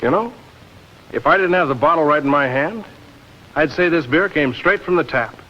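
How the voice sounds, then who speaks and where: A man's voice: on the high side, lively intonation, normal speed. A man making a casual, impressed remark in an archival documentary clip. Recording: dull lo-fi archival film audio.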